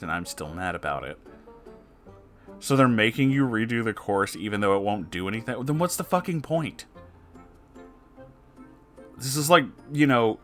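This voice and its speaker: Man, mid-range voice, casual story narration, sarcastic commentary, animated, sweary, exasperated asides, music behind. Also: mid-range voice. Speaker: host reading listener-submitted stories aloud with reactions.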